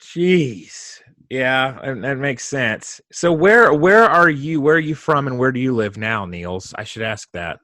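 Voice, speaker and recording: A man's voice: mid-range voice, lively intonation, unhurried, sharp tone, dry recording, clean studio sound. A man hosting a podcast as a therapist, asking questions eagerly and explaining ideas in a casual, affirming way. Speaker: podcast host, EMDR therapist.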